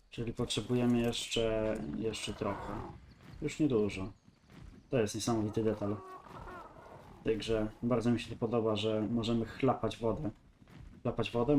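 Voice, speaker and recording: A man's voice: lowish voice, a little mellow, slight background noise. A man with a congested, nasal voice giving casual gameplay commentary, rambling and thinking aloud. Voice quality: nasal, stuffy nose. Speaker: gaming video host.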